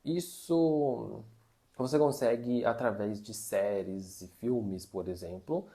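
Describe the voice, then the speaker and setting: A man gives language-learning advice in a relaxed, chatty teaching monologue. His voice carries a gravelly fry and a mellow, dark tone, and he leans on little fillers as he explains. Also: medium pitch, slow pace. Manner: chatty, uses many fillers like "né" and "tá". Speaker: Mandarin teacher. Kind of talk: casual teaching monologue to camera.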